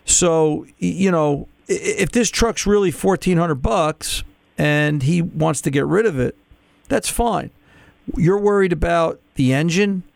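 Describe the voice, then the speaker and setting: A male radio host gives call-in car advice in a chatty, patient way, stumbling and restarting as he explains. His voice is gravelly and a little high for a man. The sound is dry and close. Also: measured pace, no echo.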